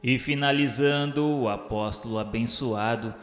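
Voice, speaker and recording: Slow Brazilian male narrator in long reverb. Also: mid-range voice. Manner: solemn, measured, literary delivery. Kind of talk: scripted religious radio drama narration. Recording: echoing hall-like reverb, music behind. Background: music.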